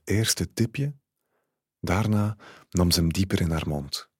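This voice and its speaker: Slow, low-voiced man reading a story. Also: husky, no echo, clean studio sound. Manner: calm, measured first-person narration. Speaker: narrator. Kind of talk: literary short story reading.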